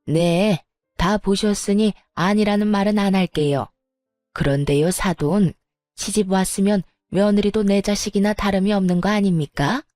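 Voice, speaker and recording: A woman's voice: fairly low pitch, normal speed, mellow, no room sound, clean studio sound, soft background music, close to an everyday voice. A woman voicing an angry, sarcastic older mother-in-law who bullies her daughter-in-law. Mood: mocking. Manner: sneering, bullying, sarcastic.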